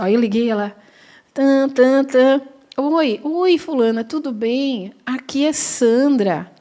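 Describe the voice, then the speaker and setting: A middle-aged woman teaching a class, telling a personal story and acting out the dialogue. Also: sits high. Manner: animated storytelling, acts out dialogue. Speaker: spiritist course teacher. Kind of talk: classroom lecture with personal anecdote.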